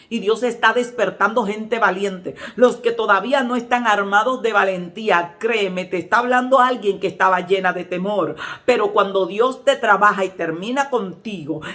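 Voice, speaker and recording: A woman's voice: medium pitch, fairly bright tone. A middle-aged woman preacher with a Dominican Spanish accent delivers a sermon. She tells vivid stories and slips into the voices of the people in them. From Dominican Republic. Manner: storytelling preacher, acts out voices in anecdotes. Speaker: pastor.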